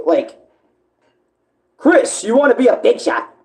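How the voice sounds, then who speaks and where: A man's put-on character voice at an extremely high pitch, delivered at a fairly slow pace. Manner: theatrical, salesman-like.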